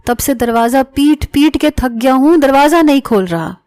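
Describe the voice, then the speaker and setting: Woman reading young brother figure, anxious, urgent, high-pitched, dry. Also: lively intonation, darkish tone, dry recording.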